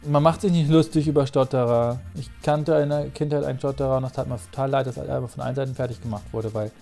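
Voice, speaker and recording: A man's voice: mid-range voice, fairly even intonation, fast, gravelly, dark tone, soft background music. A man chatting and joking in a self-mocking way as he comments on a video game. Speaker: let's play commentator. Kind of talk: casual gameplay commentary.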